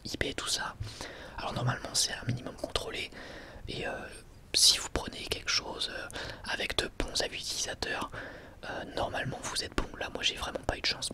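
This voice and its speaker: A man whispering informally and a little hesitantly to his viewers as an ASMR host, in a breathy, unvoiced whisper. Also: medium pitch. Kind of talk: whispered ASMR, casual product review.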